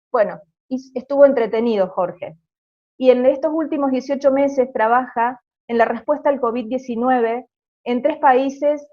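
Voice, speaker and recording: A woman reading a formal, measured introduction of a guest speaker for her hospital's infection committee. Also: a little high, muffled recording. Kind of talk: read prepared speech.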